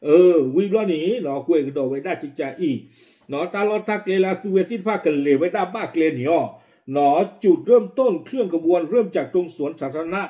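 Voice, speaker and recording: A man presenting and commenting on the news in a rapid, informal way, with many fillers. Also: on the high side, expressive, dark tone. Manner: quick, running commentary with frequent fillers.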